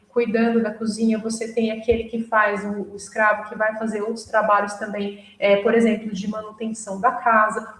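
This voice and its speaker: A young Brazilian woman with a Brazilian Portuguese accent giving a literature lecture, measured and explanatory with frequent fillers. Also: fairly high pitch. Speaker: university lecturer. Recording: echoey room, mic at a distance.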